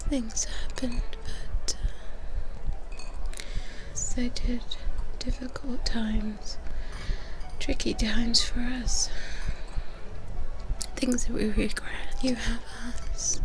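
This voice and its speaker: A woman's voice: on the high side, level tone. A woman voicing protective, reassuring vampire twin sisters in a soothing whispered ASMR roleplay, speaking close to the microphone. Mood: gently reassuring. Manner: soothing, slow, close personal attention. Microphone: close microphone for headphone listening.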